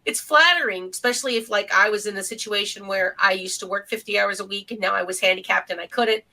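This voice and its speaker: A woman's voice: medium pitch, fast, creaky, sharp tone, low-quality recording. A woman co-hosting a podcast, talking casually and reflectively from experience in an emphatic, opinionated way. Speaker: podcast co-host. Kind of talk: casual opinionated group discussion.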